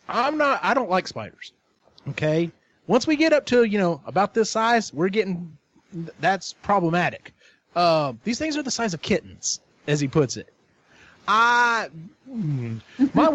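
A man in casual podcast chat who retells a story in an animated way and swears freely. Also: high voice, normal speed. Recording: dull lo-fi recording.

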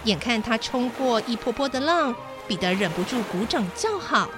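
A woman's voice: a little high, animated, moderate pace. A woman hosting a children's show, narrating a bedtime story expressively. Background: background music.

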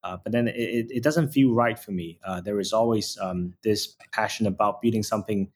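A man's voice: on the low side, brisk. Hesitant male founder from Hong Kong. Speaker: startup founder guest. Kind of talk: interview answers.

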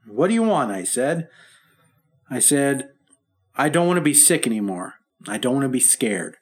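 A man's voice: medium pitch, sing-song, moderate pace, slightly rough. An actor playing a frightened businessman laid up after a heart attack in a vintage radio drama, talking bluntly and bitterly. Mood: cheerful. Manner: bitter, self-pitying, blunt. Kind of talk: 1950s radio drama acting.

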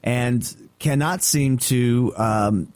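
A man's voice: mid-range voice, very slow, darkish tone, no room sound. A man co-hosting a talk radio show, giving blunt, dismissive opinions in casual chat. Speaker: radio co-host.

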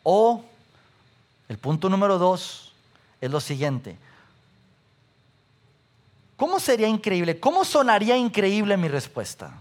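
Brief: pastor, high, bright voice, lively preaching that fires questions at the congregation. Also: male voice, unhurried, pauses often. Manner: animated, asks the audience questions, repeats lists. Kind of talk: sermon.

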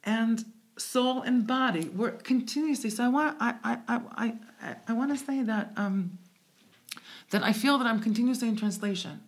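A woman's voice: a little high, normal speed. A woman guest from the United States, a native speaker of English and Hebrew, talking reflectively in a conversational interview. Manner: reflective, searching, with restarts.

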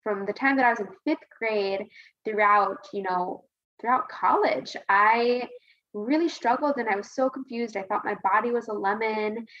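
A women's health advocate appearing as a podcast guest answers casually and earnestly, rambling a little and repeating points for emphasis. Her voice is fairly high and fairly bright, at a moderate pace. The recording sounds dull.

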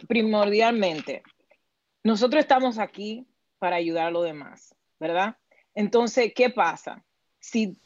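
Mujer dominicana, voz opaca y seca. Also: female voice, mid-range voice, dry recording, lo-fi sound. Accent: Dominican Spanish. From Dominican Republic. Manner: earnest, repeats words, slips into English. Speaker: guest, team coach. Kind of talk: casual interview answers.

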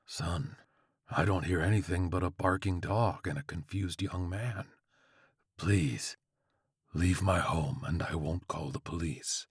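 A man playing a feeble, frightened old man, soft-spoken, hesitant and placating, in a narrated story. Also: deep voice, slow pace, breathy edge, no room sound, studio quality, heavily acted.

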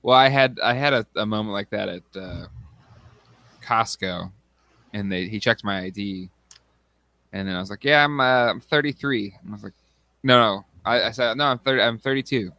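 A podcast co-host in his thirties chats casually, hesitant and full of fillers, sometimes reading aloud. His voice is on the low side and sharp-toned at a moderate pace, with no room sound.

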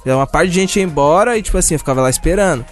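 A man's voice: on the high side, very fast, faint music behind. A man on a casual podcast, telling a childhood story in a rambling way with many fillers. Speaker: podcast co-host. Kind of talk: casual chat.

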